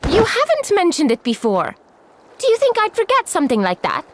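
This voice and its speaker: A woman's voice: very high voice, wildly swooping pitch, fairly quick, exaggerated voice. An actress playing a sensible, exasperated female companion in a video game, pointed and sceptical. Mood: incredulous.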